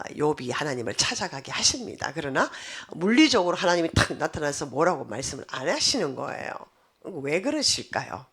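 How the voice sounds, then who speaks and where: A woman pastor delivers a sermon in a slightly low, husky voice. Her pitch rises and falls widely as she explains scripture. She keeps turning to the congregation with rhetorical questions.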